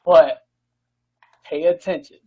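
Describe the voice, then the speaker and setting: A man's voice: a little high, fairly even intonation, takes it slowly, a little mellow, breathy edge, lo-fi sound. A man casting a fighting game tournament, loose and joking with sudden bursts of hype. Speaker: esports commentator.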